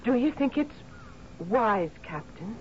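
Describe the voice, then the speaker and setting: An actress playing a dutiful, uneasy housekeeper in a radio drama, questioning yet deferential. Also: female voice, fairly high pitch, expressive, slow. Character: wary, dutiful female housekeeper and companion to a captain. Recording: muffled, hissy old radio broadcast.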